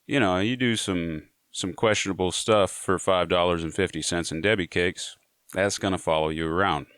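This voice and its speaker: A man's voice: low-pitched, normal speed, a bit bright, dry recording, clean studio sound. A man telling a prison story to his viewers in a casual, laid-back way, often saying "you know". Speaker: storyteller sharing prison stories.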